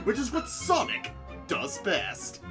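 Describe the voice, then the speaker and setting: A woman's voice: mid-range voice, wildly swooping pitch, slow pace, over music. A woman giving a theatrical comedic reading of fan fiction as narrator, with casual banter.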